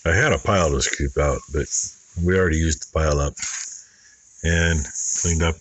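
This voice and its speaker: A man's voice: extremely low pitch, fairly even intonation, moderate pace. A middle-aged man rambling and thinking aloud in a folksy way, talking casually as he does farm chores. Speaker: farmer vlogger. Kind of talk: casual vlog talk while doing farm chores. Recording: noticeable background noise and rattling.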